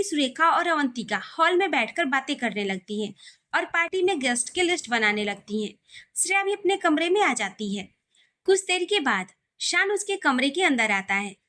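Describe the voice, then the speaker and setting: A woman narrating a romantic family story in an expressive, steady reading. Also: sits high.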